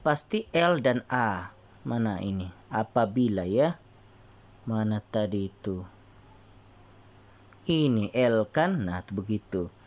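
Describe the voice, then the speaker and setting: A male teacher, explaining a religion lesson to children and often clearing his throat. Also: fairly low pitch, expressive, takes it slowly, pauses often. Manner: frequent throat clearing, coaxing repetitions.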